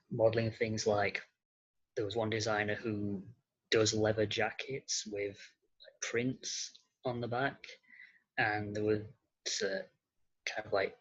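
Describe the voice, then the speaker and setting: A man talking casually as an interview guest, hesitant and halting, with an understated way of speaking. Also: lowish voice, a bit bright, muffled recording. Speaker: podcast guest, model and actor.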